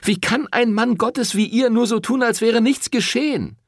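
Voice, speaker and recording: A man voicing a fiery, proud young Sicilian woman in an audiobook, raising his voice high and defiant. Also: normal speed, dry recording, studio quality. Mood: furious. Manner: shouting, defiant, raised high voice. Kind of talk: audiobook character voice.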